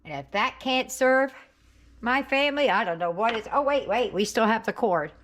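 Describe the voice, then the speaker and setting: A woman's voice: fairly high pitch, expressive, moderate pace, a bit bright, slight background noise. A woman hosting a home cooking video, chatting casually in her kitchen and at the family table, sometimes talking with her mouth full. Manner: chatty and homey, talks while eating.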